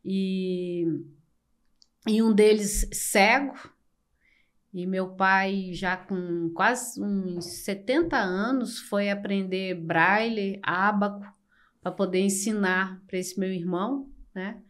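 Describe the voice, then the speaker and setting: An older woman from Brazil, a podcast guest telling her life story slowly and reflectively, with many pauses. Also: mid-range voice, steady tone. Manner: slow, reflective, with frequent pauses and fillers. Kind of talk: personal storytelling in an interview.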